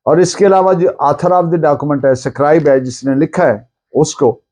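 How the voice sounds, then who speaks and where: Mellow Pakistani man giving a measured lecture. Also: on the high side, fairly even intonation. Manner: deliberate, explanatory, repeats and rephrases points. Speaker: law lecturer. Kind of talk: lecture mixing Urdu with English legal terms.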